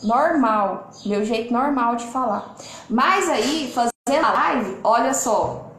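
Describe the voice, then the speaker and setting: A Brazilian woman speaking from home on a live stream, lively and expressive, changing her loudness and tone on purpose as she reads out viewers' comments. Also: a little high, takes it slowly, roomy sound. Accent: Brazilian Portuguese. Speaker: lawyer and online mentor hosting a live.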